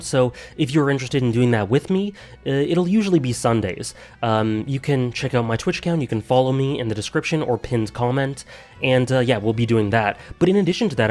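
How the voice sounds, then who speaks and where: A man with a mid-range voice, nasal and a little rough because he is getting over a cold, talks through a casual review in a chatty, eager way. He fills his pauses with "uh" and "um" while faint music plays under him. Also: medium pitch, darkish tone. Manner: chatty, enthusiastic, many "uh" and "um" fillers. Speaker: anime reviewer, channel host. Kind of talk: casual video review monologue.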